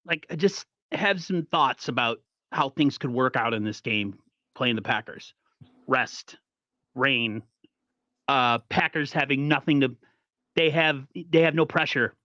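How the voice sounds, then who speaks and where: A man hosting a casual sports podcast, talking in an animated, rambling way with frequent restarts. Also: medium pitch, dry recording, lo-fi sound. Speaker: podcast host.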